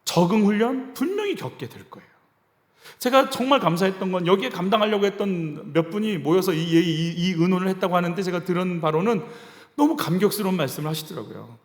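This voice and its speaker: Male pastor, lively conversational sermon, roomy echoing church sound. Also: high voice, fairly quick. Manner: conversational preaching, acts out quoted voices. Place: church sanctuary. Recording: reverberant church hall.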